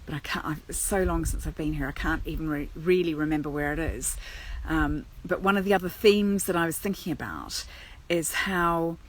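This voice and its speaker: A woman's voice: low voice, moderate pace, low-quality recording. A woman from New Zealand, an agony aunt, chatting live and thinking aloud with many ums while sitting outdoors in a churchyard. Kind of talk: casual live stream chat.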